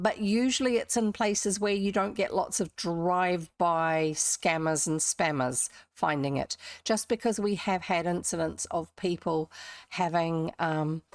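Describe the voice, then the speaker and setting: A livestream host who reads old books aloud, this New Zealand-accented woman talks to her viewers in a chatty, rambling way, breaking into her own sentences with asides. Her voice sits on the low side, and the studio-quality recording has no echo.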